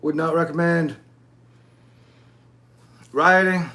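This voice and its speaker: Speaking slowly in a fairly high, steady, sharp-toned voice, a man in his forties hosts his YouTube channel, with a faint hiss or hum in the recording. His talk rambles and digresses, sprinkled with casual swearing.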